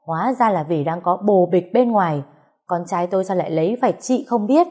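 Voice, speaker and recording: A woman voicing a fierce older mother-in-law who scolds and laments loudly. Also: on the low side, lively intonation, a little fast. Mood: scolding.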